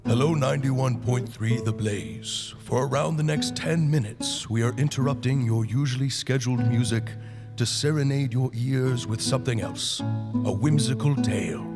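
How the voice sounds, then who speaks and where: A man's voice: medium pitch, moderate pace. A young adult man narrating a scripted fairy tale for live radio. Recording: plucked guitar music behind. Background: prominent live guitar music.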